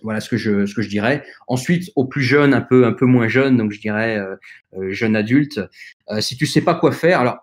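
A man's voice: medium pitch, moderate pace. Hesitant man giving earnest advice. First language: not French. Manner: hesitant, with frequent fillers and restarts; earnest, direct advice to young listeners. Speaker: podcast guest. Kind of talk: conversational advice in an interview.

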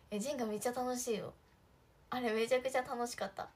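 A woman's voice: fairly high pitch, a little mellow, husky. A young woman chatting casually on a livestream, giggling often and talking to viewers' comments. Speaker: idol livestream host.

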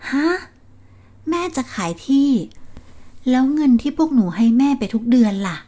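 A woman voicing a grown daughter who speaks gently to her mother. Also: high voice, lively intonation, quick pace, pitched above the performer's own voice. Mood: alarmed. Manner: gentle, soothing. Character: loving adult daughter comforting her mother.

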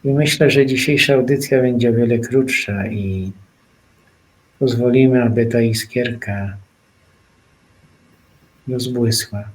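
A man speaks in a meditative, spiritual way, his pace very slow and unhurried. His voice is soft and sits at an ordinary middle pitch. His phrases fade into quiet pauses. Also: low-quality recording.

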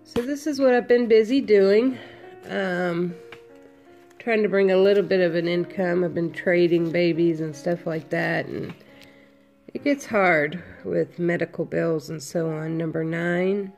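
A woman with a cold, sniffling a little, slowly listing her handmade headbands for sale from home. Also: lowish voice, fairly even intonation, gravelly, a little mellow, soft background music. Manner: slow, unhurried item-by-item listing. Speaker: crafter selling handmade headbands. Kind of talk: casual product walkthrough.

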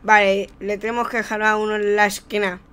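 A person with an accent from Spain giving improvised, excitable play-by-play over gameplay in the manner of a wrestling commentator. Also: mid-range voice, a little fast, clear, resonant tone. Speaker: video game commentator, player.

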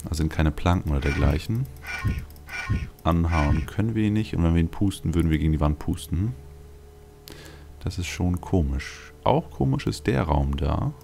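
A man with an extremely low, creaky voice talks casually through a video game as host. His asides are wry and dry-humoured as he thinks aloud. Music plays behind him. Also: expressive, moderate pace, long pauses. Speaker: let's play host.

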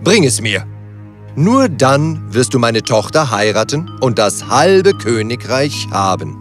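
A man voicing a commanding, scheming older king in a children's fairy tale, imperious and deliberate. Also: mid-range voice, sing-song. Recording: music behind the voice.

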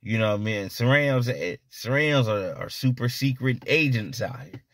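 A man's voice: mid-range voice, expressive, moderate pace, fairly bright tone, no echo. A man telling street stories in a casual, rambling monologue, often checking in with "you know what I mean". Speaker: storyteller.

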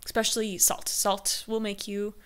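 A woman's voice: medium pitch, little pitch movement, normal speed, smooth. A young woman hosting a casual reaction video, chatty and gushing, with a groggy morning voice.

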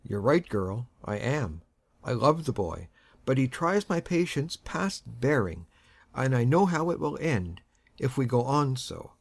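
Brief: woman reader doing a blustery old grandfather, sharp and commanding, lively swooping voice, dry sound. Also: a bass voice, unhurried, gravelly, slightly rough, no room sound, pitched below the performer's own voice, heavily acted. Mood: frank, troubled. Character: irascible old gentleman, gruff and stern grandfather.

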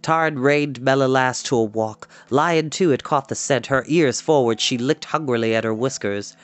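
Young guy doing storytime, mid pitch, expressive reading w casual side comments, soft music under it. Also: moderate pace, no room sound. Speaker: storytime host and reader. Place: small home room, indoors.

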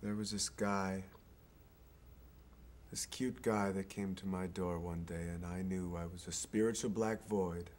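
An actor playing a smug, preachy young gay boyfriend with a condescending manner, on a studio set. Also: male voice, sits low, fairly even intonation, unhurried, darkish tone, a little hiss or hum. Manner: condescending, sanctimonious. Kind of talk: sitcom acting.

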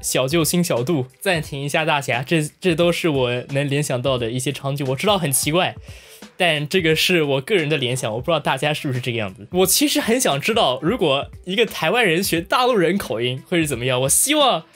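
A man's voice: a little high, animated, fairly quick, a bit bright, faint music behind. A man from mainland China hosting a casual video, talking playfully with exaggerated shocked reactions. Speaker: video host. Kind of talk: casual talking-head commentary.

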